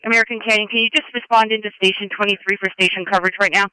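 A woman working as a fire dispatcher, brisk and clipped on urgent two-way radio, repeating messages back. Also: mid-range voice, fairly even intonation, pushed and bright, clean tone, no echo, low-quality recording.

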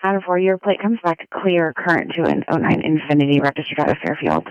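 A man's voice: a little high, big pitch swings, fairly quick, clear, resonant tone, no echo. A man working as a police dispatcher, heard over a police radio transmission, calling out clipped radio codes. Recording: muffled dry radio audio.

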